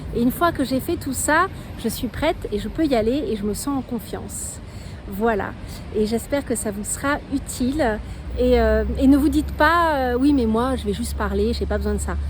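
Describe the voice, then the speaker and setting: A woman speaks at a moderate pace while noticeable background noise is heard. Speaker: voice and public speaking coach. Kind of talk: tutorial. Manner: hesitant, with filler sounds.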